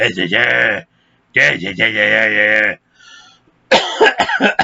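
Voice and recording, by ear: In a put-on character voice, gruff and guttural, the words come at a very slow pace. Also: man.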